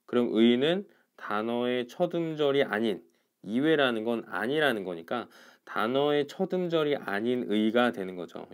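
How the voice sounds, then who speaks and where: A man teaching pronunciation in an online class, explaining step by step and checking in with his students after each point. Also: mid-range voice. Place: indoors, recording alone for an online class.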